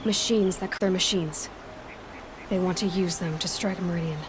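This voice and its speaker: An actress playing a determined young tribal huntress in a video game, plain-spoken, direct and steady. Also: female voice, lowish voice, normal speed, noisy background, lightly acted. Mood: serious, probing. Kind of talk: video game dramatic acting.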